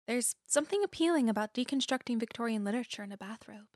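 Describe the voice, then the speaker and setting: A woman's voice: a little high, animated, quick pace, darkish tone, no echo, close to an everyday voice. Woman acting as young female student, guarded, dryly witty, anxious underneath, dry close recording, audio drama. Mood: dry, resolute.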